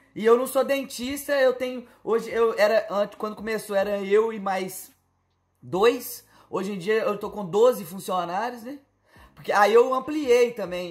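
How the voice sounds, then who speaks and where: The background is quiet as a man speaks at a fairly slow pace. His pitch is high, with ordinary variation. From Minas Gerais, Brazil (Belo Horizonte); Minas Gerais, Brazil. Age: 20s. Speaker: young entrepreneur; podcast guest. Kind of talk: casual interview. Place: home room.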